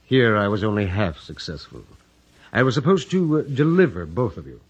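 Low, husky, oily radio-drama lawyer. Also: male voice, very animated. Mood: smug, evasive. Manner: oily, courtly, deliberate. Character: smooth, evasive, condescending male lawyer in Havana. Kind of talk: 1950s radio drama acting. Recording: muffled early 1950s radio recording.

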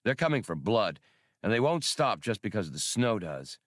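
A man's voice: lowish voice, sing-song, moderate pace, dry recording, clean studio sound. A man voicing a brash, decisive spaceship captain in an audiobook, terse and commanding with a wry edge. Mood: grim, commanding. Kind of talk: audiobook character voice.

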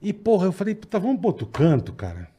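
Husky, lively man teasing. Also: high-pitched, fast talker. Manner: teasing, swears, loud reactions. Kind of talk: casual chat.

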